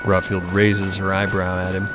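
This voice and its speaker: A man giving measured, descriptive scripted narration for a fiction podcast. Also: sits low, completely flat delivery, over music.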